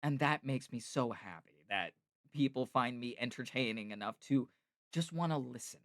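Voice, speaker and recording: Brief: laid-back male streamer, self-mocking, lively pitch, dry close mic. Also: moderate pace, no room sound. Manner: relaxed, playful, self-mocking. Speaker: streamer and voice actor. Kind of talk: casual chat.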